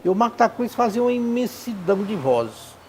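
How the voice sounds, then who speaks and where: A man's voice: sits high, big pitch swings, fairly quick, slight background noise. A man, reminiscing spontaneously in an interview. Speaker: interviewee giving a tribute.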